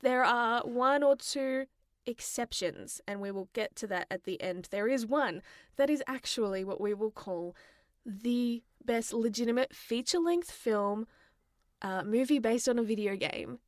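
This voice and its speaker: A woman's voice: a little high, measured pace, no room sound, clean studio sound. A woman co-hosting a podcast in casual chat, opinionated and emphatic in how she talks. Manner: opinionated, emphatic, quotes imagined reactions. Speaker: podcast co-host. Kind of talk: casual podcast chat about games and film.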